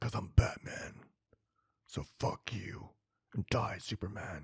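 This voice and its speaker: A raspy, put-on character voice from a man, fairly low in pitch and fairly slow. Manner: gruff.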